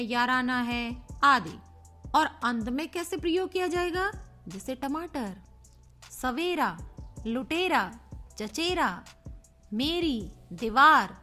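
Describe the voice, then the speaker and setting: A woman with a high voice teaches a recorded grammar lesson at an unhurried pace. She is playful with her pupils and spells words out sound by sound. Faint music plays underneath. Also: a bit bright. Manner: playful, addresses pupils as children. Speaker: Hindi teacher.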